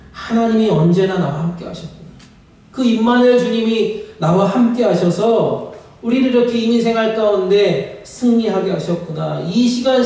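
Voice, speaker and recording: A man's voice: sits high, dark tone. A man preaching a sermon as pastor, calling out to the congregation and rising to emphatic peaks. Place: church sanctuary. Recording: echoey sanctuary, mic at a distance.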